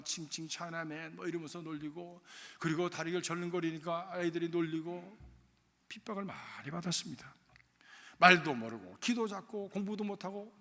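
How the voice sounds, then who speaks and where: Male pastor, storytelling sermon; high and bright-toned, with emotive swings in loudness, in a reverberant church. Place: church sanctuary.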